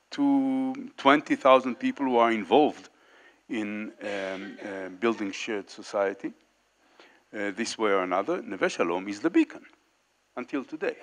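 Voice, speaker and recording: A man in his sixties speaking on a panel in a meeting hall, holding a handheld mic, with many fillers and restarts. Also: medium pitch. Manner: halting, many fillers and restarts, gestures while talking. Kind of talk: unscripted panel remarks. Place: large indoor meeting hall, panel table.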